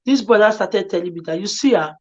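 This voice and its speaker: A woman with a Nigerian accent talks earnestly, pleading and repeating herself as she gives advice. Her voice sits at an ordinary pitch for a woman. The audio is dull and lo-fi. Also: fast, breathy edge. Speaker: guest. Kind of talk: emotional advice-giving chat.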